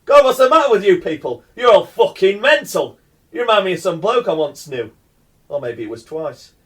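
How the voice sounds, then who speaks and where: An actor playing a foul-mouthed, rambling madman in a radio play, theatrical and quick to swing into threats. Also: high voice, sing-song. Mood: brash. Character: foul-mouthed, menacing, rambling madman telling absurd tales.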